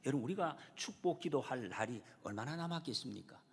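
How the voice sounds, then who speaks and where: A man's voice: mid-range voice, animated, quick pace. A man preaching a Sunday sermon as pastor, earnestly addressing the congregation and building to emphatic peaks. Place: church sanctuary. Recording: long church reverb, slightly husky.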